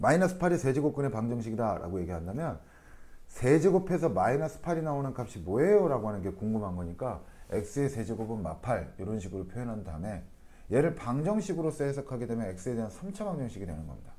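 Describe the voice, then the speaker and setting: The voice has a dark, mellow tone and very wide pitch swings at a very fast pace. Audible room echo is present. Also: man, medium pitch for a man. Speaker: math teacher. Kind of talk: lecture.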